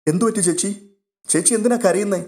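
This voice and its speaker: A man voicing a caring, eager young woman in an audio story, asking quick concerned questions. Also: sits high, darkish tone, soft background music, pitched above the performer's own voice, lightly acted.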